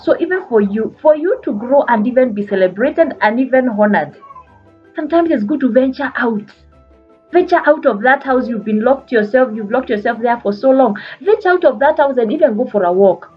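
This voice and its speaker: Kenyan female life coach, husky, earnest, repeats herself, lo-fi recording. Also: fairly high pitch, animated, normal speed, faint music behind. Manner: earnest, repeats phrases for emphasis, frequent fillers. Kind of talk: motivational talk.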